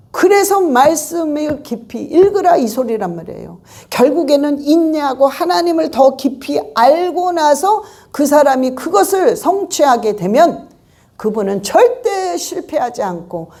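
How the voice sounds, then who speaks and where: A woman pastor preaching a sermon in church, telling stories and acting out the people in them. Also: high-pitched. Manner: animated storytelling, acting out quoted people.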